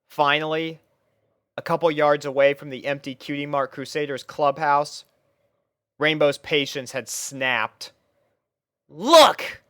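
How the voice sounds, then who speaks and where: A man narrating a fan story in a steady, even storybook voice, recorded on a close home mic. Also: on the high side, unhurried, clean tone, no room sound. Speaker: fanfiction reader.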